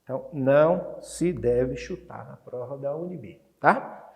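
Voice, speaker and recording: Chatty Brazilian Spanish teacher. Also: male voice, medium pitch, gravelly. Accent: Brazilian Portuguese. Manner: chatty, checks in with students constantly; reads Spanish items slowly, then explains in Portuguese. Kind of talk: exam review lesson.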